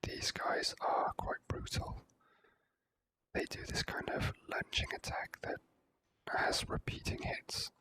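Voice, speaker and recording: A person whispering relaxed, unhurried ASMR commentary while playing a video game. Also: low-quality recording.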